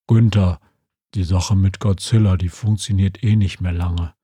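A man's voice: medium pitch, unhurried, a little mellow, no echo, clean studio sound. A man doing a fed-up costumed creature. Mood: grumbling. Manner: grumbling, then pleading. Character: fed-up male creature in an itchy monster costume. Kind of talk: audiobook character voice.

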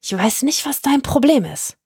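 A woman's voice: high voice, very animated, moderate pace, a little mellow, husky, no room sound, clean studio sound, pitched above the performer's own voice, heavily acted. A woman voicing an arrogant aristocratic teenage boy who hisses half-whispered threats. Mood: menacing.

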